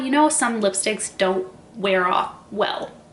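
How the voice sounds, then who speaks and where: Over noticeable background noise, a woman speaks in an animated tone at a fairly high pitch. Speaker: beauty youtuber. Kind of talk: casual vlog product review. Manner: fast; chatty, animated.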